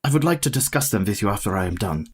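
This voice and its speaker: An actor in a radio play playing a learned, gentle and grave elderly professor who speaks in a formal, measured way. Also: male voice, lowish voice, expressive, slightly rough. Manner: formal, courtly, measured speech.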